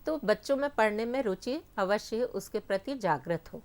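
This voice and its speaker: A woman's voice: a little high, lively intonation, normal speed. A woman teacher speaking as a guest on a discussion show, earnest and formal with hesitant restarts. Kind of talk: panel discussion answer.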